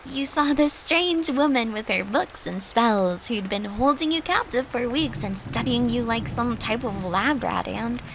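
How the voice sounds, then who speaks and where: A tender human girlfriend played by a woman speaks slowly and earnestly, straight to her lover, in an intimate audio roleplay. Her voice sits on the high side, and there is faint noise behind it. She is an occult summoner, soft and confiding as she comforts. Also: lively intonation. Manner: soft, earnest, confiding, with sighs and breathy laughs.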